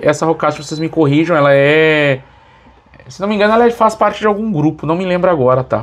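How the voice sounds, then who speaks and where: A man with a Brazilian accent speaks in a fairly high pitch with lively intonation. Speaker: product reviewer and deal promoter.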